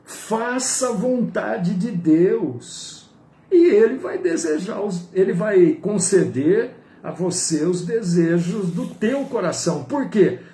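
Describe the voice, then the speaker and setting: A male pastor preaching with a high, very lively voice that rises and falls widely. He talks slowly, and his tone is mellow rather than bright. The room is roomy and echoey, with a faint ambience behind him. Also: slight background noise. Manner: animated preaching, swinging from high to low. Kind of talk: sermon.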